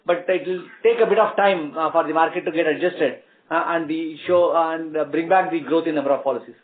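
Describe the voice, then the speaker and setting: A man with an Indian accent answers as a company executive on an earnings call, explaining in a halting, measured way. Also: a little high. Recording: tinny phone-like conference line.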